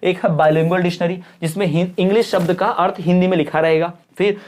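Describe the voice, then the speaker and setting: A woman with a fairly low voice gives an exam-prep lecture. She reads English definitions out slowly, then explains them in her own words. She often pauses to ask her students whether they follow. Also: fairly even intonation, a little mellow. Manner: keeps checking understanding with quick questions. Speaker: teacher.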